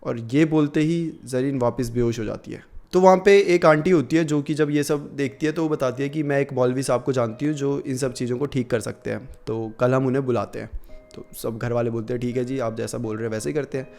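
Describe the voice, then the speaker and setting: Male horror narrator, mid-pitched, casual and chatty. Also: fairly even intonation, fairly quick, a little mellow, faint music behind. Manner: conversational, many fillers. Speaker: horror storyteller.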